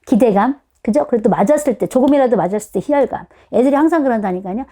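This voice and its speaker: A woman giving an explanatory, conversational talk to parents as an educator, animated and often putting questions to her listeners. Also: a little high, fast talker. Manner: animated, acts out short quotes of children and parents.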